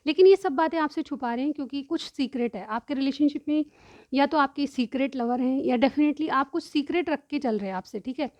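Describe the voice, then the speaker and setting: A woman reading tarot cards for her viewers. She explains each card in turn, often says "theek hai", and keeps clearing a sore throat. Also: high voice, fairly quick, darkish tone, no room sound. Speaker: tarot reader.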